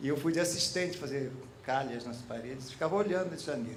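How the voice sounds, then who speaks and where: A man talking at a fairly quick pace amid noticeable background noise and audible room echo. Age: 60s. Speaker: painter. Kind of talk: panel talk, personal storytelling. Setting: stage with audience at a cultural centre. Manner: casual, conversational.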